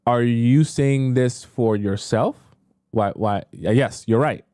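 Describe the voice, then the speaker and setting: A man's voice: medium pitch, takes it slowly, mellow, clear, resonant tone, no room sound, clean studio sound. A young man coaching on dating during a live stream, talking casually with lots of fillers and reacting in disbelief to viewer messages. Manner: casual, chatty, frequent fillers, reacts with disbelief while reading. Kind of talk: live-stream advice, reading viewer questions aloud.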